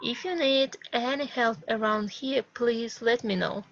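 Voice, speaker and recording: A woman from Kyrgyzstan, an English student, reading a practice dialogue haltingly over a video call. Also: fairly high pitch. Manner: halting, hesitant learner. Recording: dull dry video call audio.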